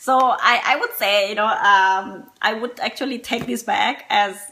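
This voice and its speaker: A woman speaks with a non-native accent. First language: not English. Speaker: fashion vlogger. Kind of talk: casual vlog monologue. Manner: halting, many fillers.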